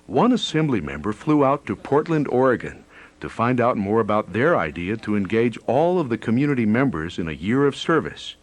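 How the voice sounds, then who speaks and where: A man's voice: medium pitch, big pitch swings, normal speed. A man reading scripted narration for a newsreel as its narrator. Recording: music bed under narration. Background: faint music.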